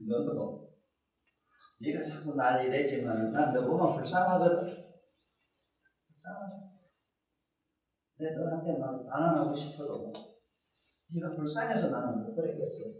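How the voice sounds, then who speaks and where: An older man gives a gentle dharma talk, acting out little dialogues as he speaks with a child. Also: on the high side, animated, a little slow, pauses often. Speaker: Buddhist dharma teacher. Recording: echoey hall, heard from a distance.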